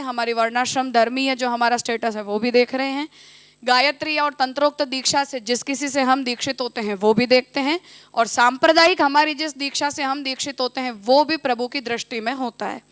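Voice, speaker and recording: A woman teaching in a measured, explanatory devotional discourse, often mixing English terms into her talk. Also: high-pitched, a bit bright, clean tone, no echo. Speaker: religious teacher.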